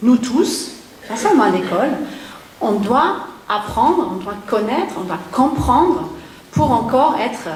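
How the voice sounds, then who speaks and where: A woman with a non-native accent speaks at a fairly slow pace, her pitch swinging very widely. Audible room echo and noticeable background noise fill the recording. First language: not French (speaking French). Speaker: education researcher. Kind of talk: conference talk. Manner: halting, many hesitations.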